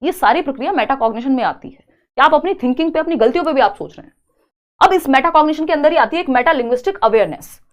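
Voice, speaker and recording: Woman teacher with an Indian English accent, a little high. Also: lively intonation. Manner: explains step by step, asks "है ना" to check understanding; reads English exam questions slowly, then explains in Hindi. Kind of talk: online exam-prep lecture.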